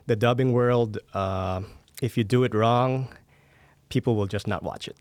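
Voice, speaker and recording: A man's voice: mid-range voice, unhurried, darkish tone, no room sound. A man speaking as a podcast guest, explaining things conversationally with examples and check-in tags in a studio. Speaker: podcast guest, media entrepreneur. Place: recording studio.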